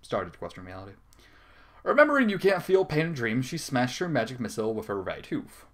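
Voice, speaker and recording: A man's voice: mid-range voice, sing-song, fairly quick. A man narrating a comic story in an irreverent, theatrical, sweary manner, dropping in casual asides. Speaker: narrator reading fan fiction.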